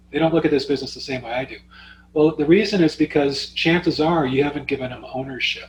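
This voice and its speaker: Using an unremarkable speaking voice, a man talks fairly high in pitch and shows ordinary pitch variation. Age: 60s. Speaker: business author and leadership expert. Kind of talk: interview.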